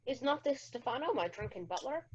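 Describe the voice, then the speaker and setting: Woman playing a high-voiced, solemn wondering king. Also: animated, brisk, lightly acted. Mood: puzzled. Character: Alonso, solemn, wondering king of Naples and father. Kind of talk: stage Shakespeare read as a radio play. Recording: dull, lo-fi amateur recording.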